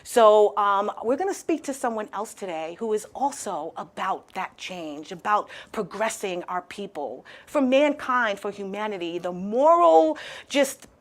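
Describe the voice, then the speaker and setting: A woman hosting a talk show, giving an effusive introduction of her guest and interviewing him. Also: mid-range voice. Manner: warm, effusive, many affirming "wow" and "mm-hmm".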